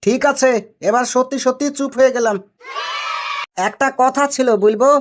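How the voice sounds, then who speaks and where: Woman voicing a high-pitched, pestering cartoon husband. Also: fairly even intonation, moderate pace, shouting, a faint crowd, a little hiss or hum, close to an everyday voice. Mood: placating, obtuse. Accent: Rajshahi Bengali. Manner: innocently questioning, persistent. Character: maddeningly literal, pestering cartoon husband, cheerfully obtuse. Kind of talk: comic cartoon dialogue.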